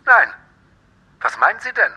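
An actor playing a firm, reassuring psychiatric doctor in a horror audio drama, reasoning insistently. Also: male voice, sits high, very animated, unhurried, pushed and bright, slightly rough, muffled recording, full character voice. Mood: genial.

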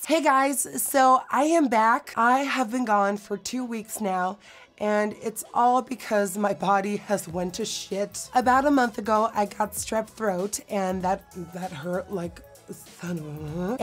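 A young woman with a hoarse, recovering voice and a Dutch accent, chatting dramatically through a makeup tutorial in a studio. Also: mid-range voice, measured pace, faint music behind. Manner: bubbly, dramatic, self-mocking. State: hoarse from illness. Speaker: beauty vlogger. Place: indoor studio set.

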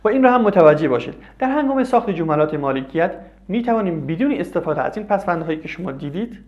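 A language teacher who reads example phrases slowly and explains them quickly, asking rhetorical questions. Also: medium pitch, lively intonation, lo-fi sound. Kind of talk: recorded language lesson.

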